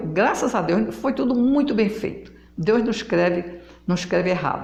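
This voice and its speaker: There is audible room echo and noticeable background noise as a woman speaks at a fairly slow pace with lively intonation. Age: 80s+. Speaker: spiritist religious teacher. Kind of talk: spoken religious talk to an audience. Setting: online video transmission from home. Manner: halting, with repetitions.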